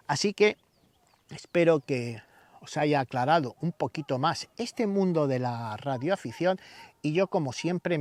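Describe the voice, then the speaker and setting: A man from Spain with a Castilian or peninsular Spanish accent, hosting an informal explainer in a didactic way with everyday examples. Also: mid-range voice. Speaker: video channel host.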